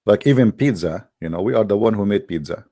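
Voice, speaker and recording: Deep-voiced, gravelly Arab-accented man hosting. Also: fast, warm tone. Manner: joking, sarcastic, teasing. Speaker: host of a live debate broadcast. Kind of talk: casual rambling live-stream talk.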